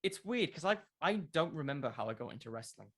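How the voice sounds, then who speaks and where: A man's voice: a little high, big pitch swings, fairly quick, fairly bright tone. A young man talking casually as an interview guest, explaining things earnestly in a rambling way. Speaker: interview guest, wrestling content creator.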